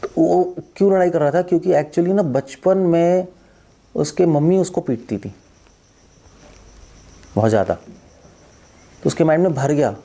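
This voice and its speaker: A man's voice: fairly high pitch, a little slow, vocal fry, long pauses. A man, a monk who was once a doctor, giving a spiritual talk and telling stories that act out what people think and say. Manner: animated storytelling, acts out quoted thoughts and repeats phrases. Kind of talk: spiritual discourse.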